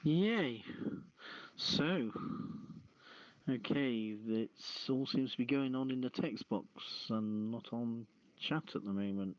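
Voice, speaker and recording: A man hosting a live voice-chat show, reading items aloud and chatting to listeners in a halting way. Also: medium pitch, dry recording. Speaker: host. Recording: dull lo-fi voice-chat audio.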